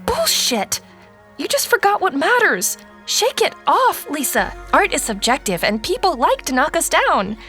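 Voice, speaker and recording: A woman's voice: high voice, huge pitch swings, a little slow, sharp tone, full character voice. A woman voicing an earnest, idealistic, outspoken sixteen-year-old girl in an audio drama, with a pushy, youthful manner. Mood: indignant, urgent. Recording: music under the voice.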